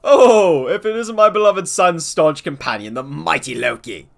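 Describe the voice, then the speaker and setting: A man voicing a grand, flowery older nobleman from a video game, delivering lines loudly and with flourish. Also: a little high, normal speed, vocal fry, voice pushed up. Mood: grandiose. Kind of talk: game dialogue read aloud.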